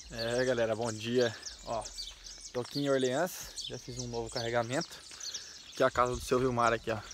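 The speech is monotone and flat at a moderate pace, broken by long, frequent pauses, with a dry sound with no echo and noticeable background noise. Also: man, medium pitch for a man. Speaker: truck driver vlogger. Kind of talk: casual vlog narration. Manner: speaking quietly. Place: open country. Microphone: phone near.

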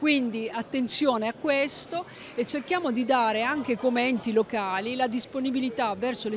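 Recorded with noticeable background noise and a dry sound with no echo, a woman speaks at a moderate pace with ordinary pitch variation. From Apulia, southern Italy. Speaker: politician. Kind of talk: interview. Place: market. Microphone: handheld.

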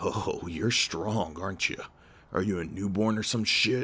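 Using a put-on character voice, a man speaks at a moderate pace in a fairly low pitch. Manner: taunting, hostile.

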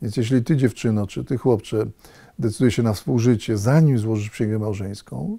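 Somewhat breathy, a man talks at a fairly quick pace. His tone is dark and mellow, with ordinary pitch variation. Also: quiet background. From Poland. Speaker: priest. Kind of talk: religious teaching talk. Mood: warm, earnest, smiling. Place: studio. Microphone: lapel.

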